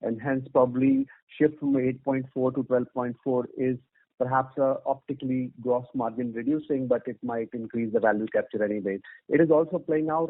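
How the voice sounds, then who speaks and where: A man's voice: medium pitch, no echo. Male analyst on a dry phone line. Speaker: financial analyst. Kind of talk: questioning on an earnings call.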